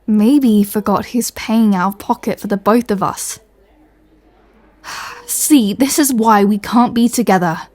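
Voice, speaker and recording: A woman's voice: mid-range voice, a little slow, darkish tone, no room sound, lightly acted. A woman playing a sardonic, fed-up superhero in a comedy audio roleplay, speaking in a dry way. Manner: dry, irritated, sarcastic.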